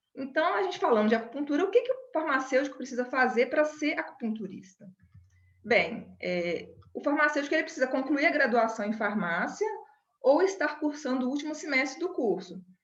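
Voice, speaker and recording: A high-pitched woman's voice with very wide pitch swings, a fairly quick pace and audible room echo. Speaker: pharmacist, acupuncturist and lecturer. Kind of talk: lecture. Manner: fast.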